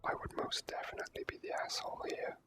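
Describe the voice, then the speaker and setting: An ASMR gaming host giving casual, drawn-out gameplay commentary in whispers. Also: sharp tone.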